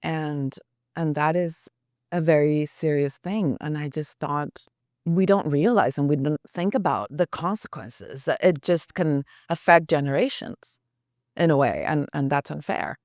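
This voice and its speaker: A woman's voice: deep voice, measured pace, darkish tone, dry recording, clean studio sound. A woman journalist as a podcast guest, talking earnestly and thinking aloud with restarts. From United States. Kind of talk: reflective podcast interview.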